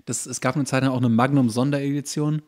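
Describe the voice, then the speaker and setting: A man's voice: medium pitch, fairly even intonation, fast talker, a little mellow. A man chatting casually and comically as a podcast co-host. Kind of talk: casual comedic chat.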